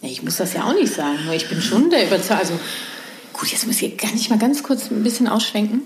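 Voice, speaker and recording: A woman's voice: mid-range voice, expressive, quick pace, reverberant, slight background noise. A woman co-hosting a podcast in casual chat, rambling, telling stories and laughing often. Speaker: podcast co-host.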